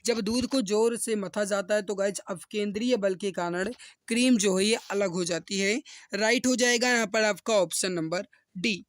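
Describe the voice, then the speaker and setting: A man with a high-pitched voice teaches an exam class in a dry, close recording. He works through questions step by step and speaks directly to his students as he gives each answer. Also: normal speed, fairly bright tone, no room sound. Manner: instructional, often addressing listeners directly.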